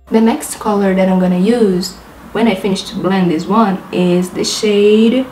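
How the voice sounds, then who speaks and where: A woman's voice: medium pitch, fairly even intonation, unhurried, warm tone, roomy sound, faint music behind, poor audio. A young woman from Brazil with a Brazilian Portuguese accent, chatting through a makeup tutorial in her apartment and describing each step while laughing often. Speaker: beauty vlogger. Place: apartment in a big city.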